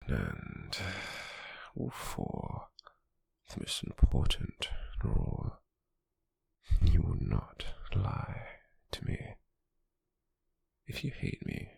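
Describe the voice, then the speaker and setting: A British man acting a cold, possessive slave merchant in an ASMR roleplay, speaking formally and condescendingly in a breathy, gravelly half-whisper close to the mic. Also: very deep voice, wildly swooping pitch, darkish tone, no room sound, exaggerated voice. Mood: stern, controlling, then cold, amused. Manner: slow, measured, formal, condescending. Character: cold, possessive male slave merchant, controlling yet intrigued captor. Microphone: close microphone, dry.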